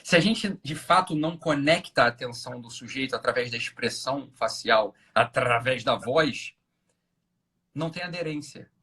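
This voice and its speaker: A man hosting a casual live-stream conversation with a Brazilian Portuguese accent, animated, jumping into silly voices to make his point. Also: mid-range voice, fairly quick, hardly any pauses, slightly rough. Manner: animated, acts out silly voices mid-explanation. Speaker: host.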